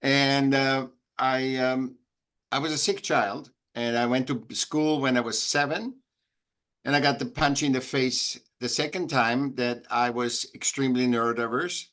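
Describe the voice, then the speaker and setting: A middle-aged man from Austria with an Austrian German accent, speaking as an interview guest in a halting, animated way with frequent restarts. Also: mid-range voice. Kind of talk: conversational interview.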